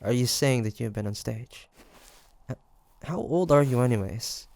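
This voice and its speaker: A man's voice: mid-range voice, animated, normal speed, gravelly, darkish tone, no room sound. A man playing a curious, teasing demon hunter in an audio roleplay, talking to the listener in a hesitant, conversational way. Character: male demon hunter traveler, curious, teasing, softly tsundere. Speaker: voice actor.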